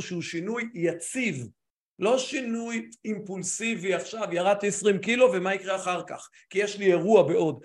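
A man speaks over a video call as a guest coach, his voice sitting notably high for a man. He talks in an animated, stop-start way, often restarting mid-sentence before pushing on with his point. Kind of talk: casual conversation on a video call.

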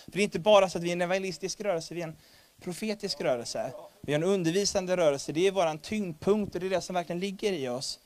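A man preaching a sermon, animated and humorous, rising to loud emphasis. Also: sits high.

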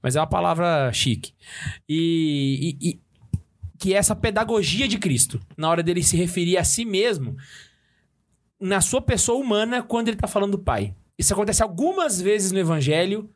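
A man's voice: high-pitched, lively intonation, moderate pace. A man co-hosting a podcast, explaining religious points in a casual, teaching way. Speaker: podcast co-host.

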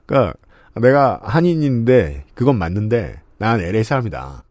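A man's voice: on the low side, normal speed, dry recording, studio quality. A man hosting a podcast, giving reflective, musing advice in a casual chat. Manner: reflective, musing, lively intonation. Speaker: podcast host.

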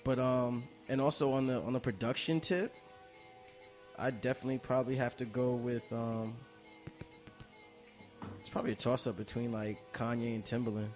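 Mid-pitched man in slangy chat, faint music. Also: fairly even intonation, normal speed, long pauses, a little mellow. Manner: slangy, conversational. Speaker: music producer, panel guest. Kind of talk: casual chat.

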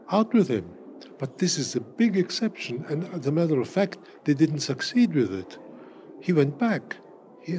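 Elderly German man, wry and measured. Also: on the high side, a little mellow, slight background noise. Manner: measured, wry, with many fillers and restarts. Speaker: interviewee, cabaret artist. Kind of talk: reflective interview answers.

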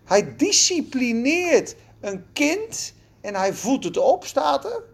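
A preacher delivering a sermon in an animated, emphatic way, with folksy turns of phrase. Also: high voice, slow, vocal fry, husky.

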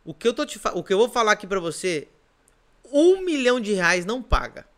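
A man's voice: high voice, sing-song, fairly quick, a bit bright. A Brazilian man, a pastor, preaching on a podcast in an emphatic way, repeating his points and firing off rhetorical questions. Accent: Brazilian Portuguese.

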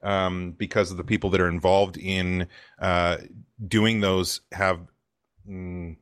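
A man with a deep voice co-hosting a casual gaming community show, rambling with lots of fillers. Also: level tone, slow, a bit bright. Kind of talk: casual chat.

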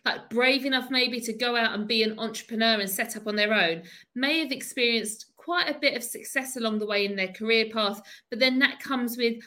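A woman co-hosting a podcast, chatting casually and laughing often as she thinks out loud. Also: a little high, a little fast. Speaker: podcast co-host.

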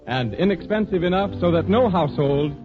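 A man's voice: high voice, animated, a little fast. A man announcing a 1930s radio show in a formal, polished delivery, heard as an old radio broadcast. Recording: muffled 1930s radio recording with music.

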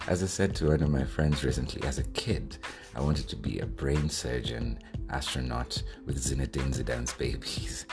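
Podcast host, man from Kenya, young adult, extremely deep voice, earnest scripted read over a music bed. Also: fairly even intonation, moderate pace.

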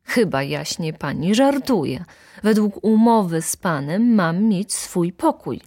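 A woman's voice: fairly low pitch, animated, takes it slowly, darkish tone, no echo, clean studio sound. A woman voicing an insolent, pompous male valet who orders people about in a haughty, commanding way.

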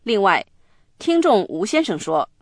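A woman hosting a radio English lesson, explaining phrases clearly and carefully. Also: medium pitch, very animated, measured pace, dry recording, clean studio sound. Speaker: language lesson host. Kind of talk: explaining English to Chinese learners.

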